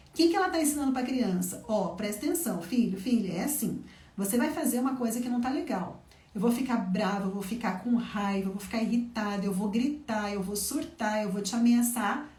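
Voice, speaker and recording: Woman, parenting teacher, higher voice, roomy and set back from the mic, lively Q&A delivery. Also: recorded from a distance. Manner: lively, asks the audience and answers, quick bursts. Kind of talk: online class to mothers.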